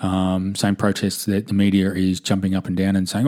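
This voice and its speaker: A man speaks with an Australian accent in a dark, mellow tone. His pitch is fairly low and his pace fairly quick. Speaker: podcast host. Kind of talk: angry rant, indignant and scornful about police and government overreach. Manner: fiery, exasperated, sarcastic, heated.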